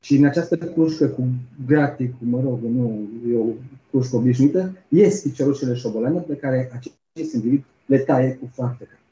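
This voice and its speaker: In a conference hall, a keynote speaker with a dark, mid-range voice retells a story during an academic lecture. Rhetorical "nu?" questions come up often as he checks in with listeners. The capture is roomy and dull, a lo-fi lecture recording.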